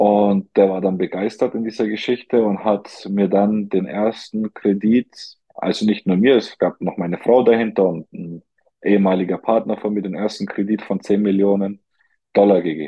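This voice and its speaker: A man with an ordinary speaking voice, fairly low in pitch, at a moderate pace with fairly even intonation. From Germany, Allgäu (Bavaria). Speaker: real estate consultant and entrepreneur. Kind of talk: interview.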